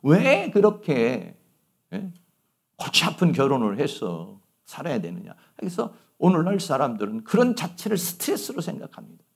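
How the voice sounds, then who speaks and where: Animated male pastor preaching. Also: a little high, normal speed, gravelly, breathy edge. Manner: animated storytelling preacher, rhetorical questions. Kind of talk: sermon.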